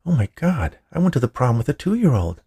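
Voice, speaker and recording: A man voicing an earnest, tender and bewildered teenage girl in a narrated story, speaking softly and breathily. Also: mid-range voice, big pitch swings, brisk, breathy edge, pitched above the performer's own voice, heavily acted. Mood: bewildered, shocked.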